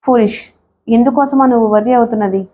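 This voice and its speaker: A woman's voice: fairly high pitch, steady tone, fast, warm tone, natural voice. A woman voicing an eager young man who asks insistent, anxious questions in an audiobook. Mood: pressing.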